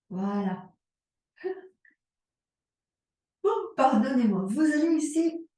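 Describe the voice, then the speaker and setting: A woman yoga instructor talks a class through breathing and leg work, in a slow, unhurried way. Her voice is soft and warm, a little higher than most. She sounds set back from the mic in a very echoey room. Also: distant mic. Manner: slow, calm cueing of breath and movement. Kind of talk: guided yoga and strengthening class.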